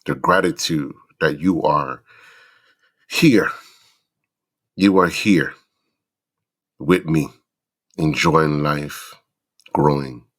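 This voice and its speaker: A middle-aged man with an extremely low yet fairly bright voice, stuffy and congested from the flu, hosts a podcast. In a reflective monologue aimed at fathers, he speaks earnestly and a bit preachily, working through slow, deliberate lists.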